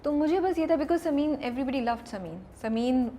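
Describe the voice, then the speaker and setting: A woman's voice: high voice, animated, a little slow, mellow, a little hiss or hum. A woman hosting an interview, chatty and switching often between Urdu and English. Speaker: interviewer, magazine host. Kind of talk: casual interview chat.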